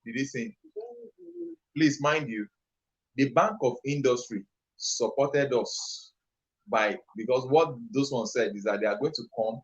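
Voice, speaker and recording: A man's voice: medium pitch, animated, a little slow, pauses often. Passionate Nigerian man on a lo-fi stream. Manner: passionate, emphatic, rambling storytelling. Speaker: entrepreneur and youth trainer, guest. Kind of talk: live-stream interview answer.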